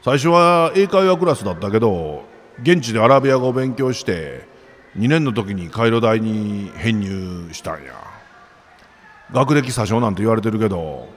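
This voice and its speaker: A man's voice: fairly low pitch, lively intonation, moderate pace. A man with a Kansai accent giving a chatty newspaper commentary, full of jokey asides.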